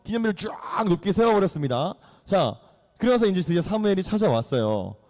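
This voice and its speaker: A man preaching a lively Bible story sermon to young listeners, acting out the characters and quizzing his audience. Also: high-pitched, fairly quick. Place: church hall. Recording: long hall reverb.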